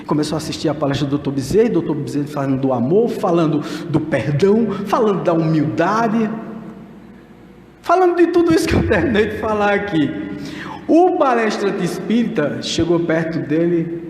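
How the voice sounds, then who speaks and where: High-voiced spiritist lecturer. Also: male voice, big pitch swings, normal speed, a little mellow. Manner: earnest, preacherly, direct to audience. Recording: echoey hall with long reverb.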